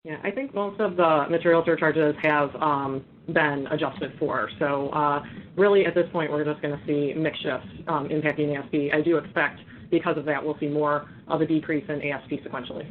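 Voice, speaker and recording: A woman speaks as a company finance executive on a conference call. Her answers are measured and matter-of-fact. The audio is narrow and phone-like, with faint noise underneath. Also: deep voice, steady tone.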